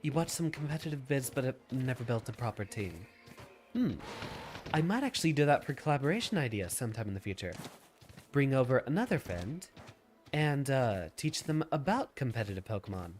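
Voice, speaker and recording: A man's voice: mid-range voice, very animated, fairly quick, a little mellow, soft background music. A man streaming a video game with a stuffy, slightly nasal nose, musing aloud in an easygoing way and answering viewers' questions.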